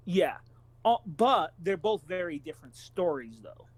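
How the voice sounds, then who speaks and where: A man with a distinctly high-pitched voice talks as a podcast co-host. He lays out his opinions in an analytical but casual way, building them up in stop-and-start phrases. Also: very animated, unhurried, slightly rough, no echo, rough recording.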